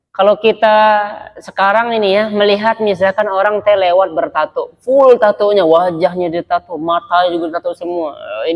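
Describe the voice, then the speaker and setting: Chatty male preacher, higher voice. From Sumatra. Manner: conversational, often addressing listeners directly. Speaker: Islamic preacher. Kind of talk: casual religious lecture to a congregation. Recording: dull lo-fi recording.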